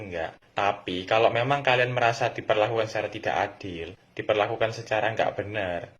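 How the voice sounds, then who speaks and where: A young man giving casual, preachy advice to parents and kids, animated and lively in delivery. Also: on the low side, muffled recording. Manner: animated, preachy, acts out quotes. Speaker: vlogger.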